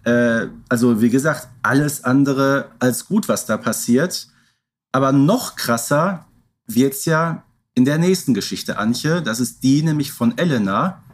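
A man's voice: mid-range voice, measured pace. A man co-hosting a podcast in casual, conversational talk. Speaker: podcast co-host.

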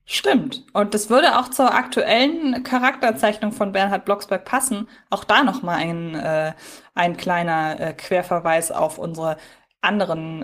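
A woman co-hosting a podcast, chatting casually in a reflective, digressive, wordy way. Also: medium pitch. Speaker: podcast co-host. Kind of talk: casual review chat.

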